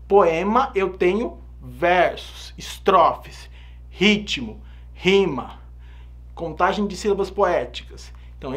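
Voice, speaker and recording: A man with a Brazilian Portuguese accent teaching a recorded lesson, explaining step by step and checking in with the listener. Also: high voice.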